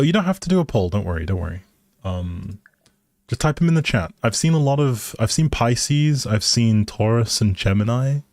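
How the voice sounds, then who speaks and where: A man's voice: on the low side, darkish tone, dry recording, clean studio sound. A man livestreaming a game with casual, playful, teasing chat to his viewers.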